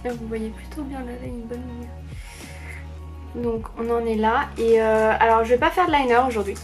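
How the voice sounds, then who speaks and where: Young female beauty vlogger, fairly high-pitched voice, chatty and rambling, faint music under her. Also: steady tone, moderate pace. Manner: chatty, rambling, many fillers. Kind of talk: casual makeup tutorial chat.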